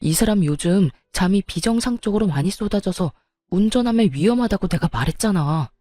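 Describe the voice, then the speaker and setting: A woman's voice: medium pitch, lively intonation, normal speed, no room sound, lightly acted. A woman voicing a young husband who angrily confronts his mother. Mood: furious. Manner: shouting, exasperated.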